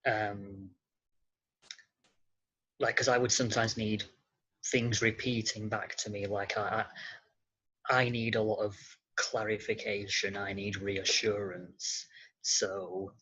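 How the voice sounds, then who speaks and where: A young British man answering interview questions casually, in a hesitant, halting way with repeated starts. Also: lowish voice, level tone, pushed and bright, husky, low-quality recording. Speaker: interview guest.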